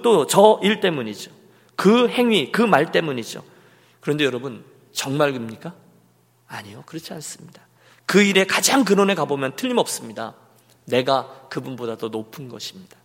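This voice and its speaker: A man's voice: fairly high pitch, in a large hall. A male senior pastor preaching a sermon earnestly and putting direct questions to the congregation. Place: church sanctuary.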